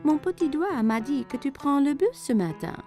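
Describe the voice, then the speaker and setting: A gentle, attentive cartoon mother, acted by a woman, speaks in a mellow, fairly high voice. She sounds encouraging, with very lively intonation. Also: moderate pace, soft background music. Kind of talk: children's cartoon dub.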